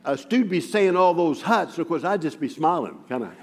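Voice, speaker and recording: A man preaching, stuttering and repeating his words as he goes. His voice sits a little high for a man, and his self-mocking humor keeps breaking through. The sound carries the long reverb of a large church hall. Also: expressive, brisk, a little hiss or hum. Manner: self-deprecating humor, chuckling as he talks. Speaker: guest preacher. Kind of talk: sermon with personal storytelling. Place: church sanctuary.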